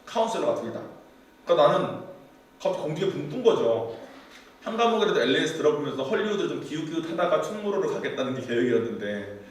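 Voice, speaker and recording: A man, a pastor, telling a candid personal story in a sermon testimony, in an animated storytelling manner. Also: fairly high pitch, quick pace. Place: church sanctuary. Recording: very echoey hall, distant mic.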